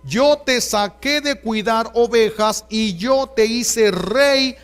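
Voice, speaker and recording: A man with a Mexican Spanish accent voicing God, who rebukes a king slowly and sternly within a sermon. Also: very high-pitched, clear, resonant tone, faint music behind.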